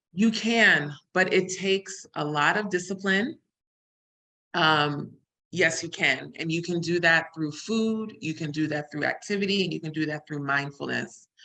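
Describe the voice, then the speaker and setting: A woman with a fairly low pitch and a bright, sharp tone speaks fairly slowly, her pitch varying in an ordinary way. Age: 50s. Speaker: wellness coach. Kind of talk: webinar presentation and Q&A. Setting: online webinar.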